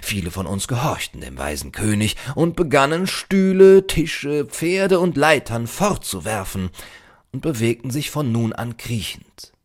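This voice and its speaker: A man's voice: mid-range voice, lively intonation, a little slow, voice pushed up, close to an everyday voice. A man voicing a preachy, self-certain old librarian in a storybook, with a pompous, archaic, lecturing manner. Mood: grandly lecturing.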